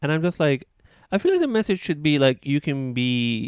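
A man in an Arabic accent, with a dry, close sound, no echo, on a very clean recording with a silent background. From Libya. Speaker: comedian. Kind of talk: casual chat.

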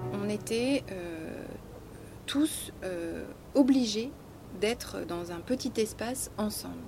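A woman at a very slow pace, with long, frequent pauses, big swings in loudness and music in the background. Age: 30s. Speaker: parenting coach. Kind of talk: interview. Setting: yurt office. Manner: hesitant with many fillers.

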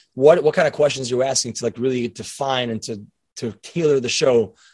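A man with a normal speaking voice and medium pitch at a fairly quick pace. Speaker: podcast host. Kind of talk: casual interview chat. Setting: video call.

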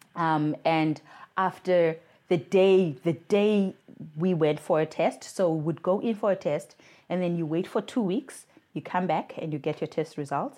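With a South African accent, a woman speaks at a fairly low pitch in a dark, mellow tone with ordinary pitch variation, against a quiet background. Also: fairly slow pace. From South Africa, Cape Town township. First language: a South African language, not English. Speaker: HIV peer mentor and charity communications worker. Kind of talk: interview, personal testimony. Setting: remote call.

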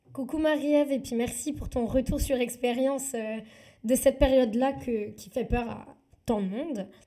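Her voice is high-pitched, with a dark, mellow tone. The woman keeps a moderate pace and fairly even intonation. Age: 20s. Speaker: podcast host, recent master's graduate. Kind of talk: casual solo podcast talk.

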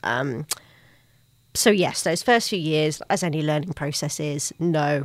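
With ordinary pitch variation, a woman speaks in a very deep, low pitch. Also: very clean recording, silent background. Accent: English. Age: 30s. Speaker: head of nutrition at a fitness company. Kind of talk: interview.

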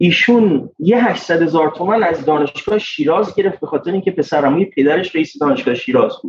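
A man talks very fast at a high pitch with hardly any pauses. His intonation is lively. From Iran. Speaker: professor and career counselor. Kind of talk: interview.

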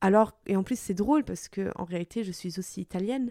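Speaking at a fairly quick pace, a woman has a medium pitch and a dark, mellow tone. The recording is very clean and dry, close with no echo and a silent background. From Portugal. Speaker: podcaster. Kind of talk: personal monologue. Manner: hesitant.

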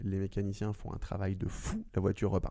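Dark and mellow in tone, a man's voice moves at a moderate pace. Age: 30s. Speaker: influencer and amateur racing driver. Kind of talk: casual chat.

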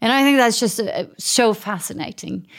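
On a very clean recording with a silent background, a woman speaks with a Norwegian accent and ordinary pitch variation. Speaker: podcast host. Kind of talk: interview; scripted narration.

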